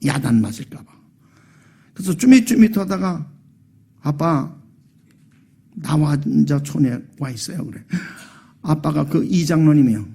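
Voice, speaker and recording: A man's voice: fairly high pitch, expressive, measured pace, creaky, long pauses, mellow, breathy edge. A man pastor preaching a sermon in a church, telling a story and acting out the quotes, then rising to emphatic appeals. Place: church sanctuary.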